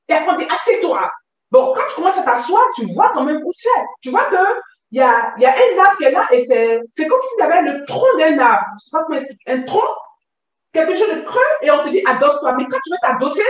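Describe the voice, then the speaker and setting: A woman giving a vivid, animated personal testimony. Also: high-pitched. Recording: very echoey, distant from mic.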